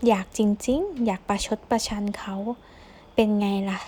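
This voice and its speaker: A woman reading a first-person novel aloud in a slow, inward, reflective way. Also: fairly high pitch, sing-song, a little mellow, slight background noise. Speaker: audiobook reader.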